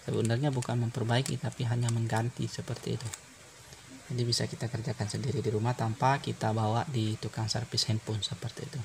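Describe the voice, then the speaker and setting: Guy doing a how-to, pretty monotone and gravelly, stops and starts, noisy background. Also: mid-range voice. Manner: halting step-by-step explaining with pauses. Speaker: phone repair tutorial presenter. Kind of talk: informal hands-on tutorial narration.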